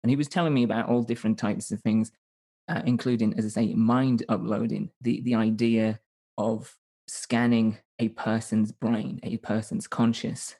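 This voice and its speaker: A mellow, fairly low male voice with little pitch variation comes at a moderate pace from a Northern English man in his thirties. As a podcast guest in an easygoing interview, he meanders, hedges, corrects himself and keeps restarting.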